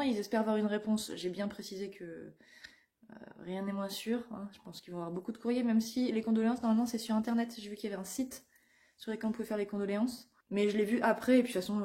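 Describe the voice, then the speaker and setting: A woman's voice: medium pitch, warm tone. A middle-aged woman from France, an English teacher, chatting casually in a vlog, enthusiastic and full of fillers.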